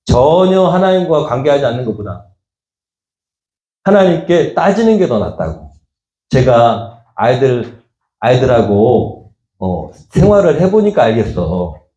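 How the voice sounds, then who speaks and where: Lively, mellow-voiced man preaching. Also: highs cut off. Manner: conversational preaching, acting out quoted voices with rising pitch. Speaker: pastor. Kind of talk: sermon. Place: church sanctuary. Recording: echoey church room.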